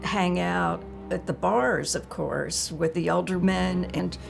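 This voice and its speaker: A woman reflects haltingly in a documentary interview. Her voice is on the low side and extremely creaky, with music clearly playing behind her. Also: steady tone. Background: music bed.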